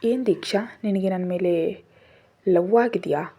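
A woman voicing a harsh, commanding young husband in a storybook narration, speaking curtly and loudly. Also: medium pitch, a little slow, slightly rough. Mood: stern. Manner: curt, scolding, loud. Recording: dull lo-fi audio.

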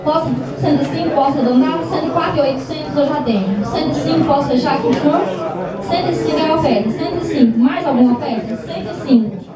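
A Brazilian woman runs a live auction with a high voice, chanting figures and prompts repeatedly. She is heard at a distance in a very reverberant room. A noisy audience sits around the microphone. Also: quick pace, over a noisy crowd. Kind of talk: live auction bid calling. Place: small crowded indoor meeting room. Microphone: distant handheld camera in audience. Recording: roomy far-off camera, audience noise.

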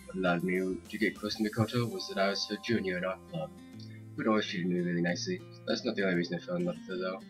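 A man's voice: low-pitched, steady tone, quick pace, voice pushed down, close to an everyday voice. A man voicing a lovestruck, earnest teenage schoolboy, reading game narration in a subdued way. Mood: wistful, smitten. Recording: dull lo-fi mic with game music.

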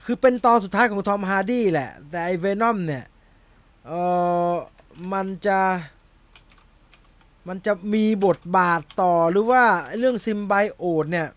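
Chatty Thai man with a high voice. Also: animated, slow pace, a bit bright, dry recording. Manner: rambling, laughs at himself, fumbles over a name. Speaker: movie news host. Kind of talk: casual chat about film news.

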